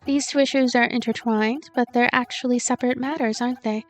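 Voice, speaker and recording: Woman voicing a composed, bossy teacher-like lady, high voice. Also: steady tone, a little fast, faint music behind, close to an everyday voice. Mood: brisk, composed.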